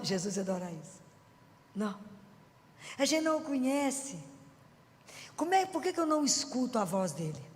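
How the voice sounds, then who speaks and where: A woman with a Minas Gerais accent giving a lively Catholic preaching talk, chatty and folksy, often asking the audience questions. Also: on the high side. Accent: Minas Gerais Brazilian Portuguese. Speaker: Catholic lay speaker. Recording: long hall reverb.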